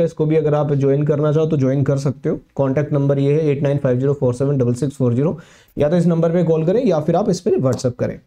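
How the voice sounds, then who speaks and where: A man coaching law students, explaining exam eligibility in a repetitive lecture style and slowly reading official text aloud. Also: on the high side, warm tone. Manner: explanatory, repeats points, mixes English phrases; reads notification lines aloud slowly.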